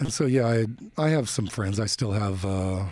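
In a Utah accent, a somewhat breathy voice comes through on a very clean recording with a silent background. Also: man. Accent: American, Utah. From Utah, Salt Lake City area. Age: 50s. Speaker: author. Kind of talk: radio interview. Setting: radio studio.

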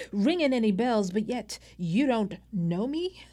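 This is an unremarkable speaking voice from a woman, fairly high with lively intonation. The recording is very clean, with a silent background. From Brooklyn, New York. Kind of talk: interview; poetry performance.

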